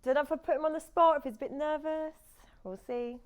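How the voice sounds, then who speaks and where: A woman's voice: sits high, steady tone, quick pace. A woman hosting a dating show, asking direct, teasing questions.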